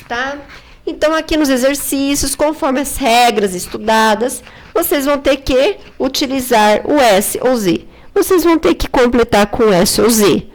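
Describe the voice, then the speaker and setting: Brazilian woman, schoolteacher recording a lesson; patient, checks in with students constantly. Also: fairly high pitch. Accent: Brazilian Portuguese. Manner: explains patiently, asks questions and answers them herself; checks in often with "tá?" and "tudo bem?". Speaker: teacher.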